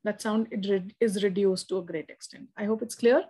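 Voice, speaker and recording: A woman's voice: medium pitch, steady tone, a little fast, mellow, husky. A woman with a South Asian accent tutoring a student in physics, explaining and often checking understanding with short tags. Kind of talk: one-to-one spoken lesson.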